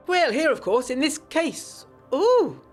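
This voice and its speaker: A woman voicing a suave gentleman scholar who needles in a genteel, insinuating way, in a period audio drama. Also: very high voice, big pitch swings, takes it slowly, faint music behind, voice pushed up, heavily acted. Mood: smug, then startled. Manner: genteel, teasing, smoothly insinuating.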